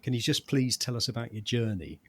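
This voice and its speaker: A man's voice: medium pitch, animated, brisk. A man hosting an interview, asking polite, encouraging questions in casual chat. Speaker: podcast host.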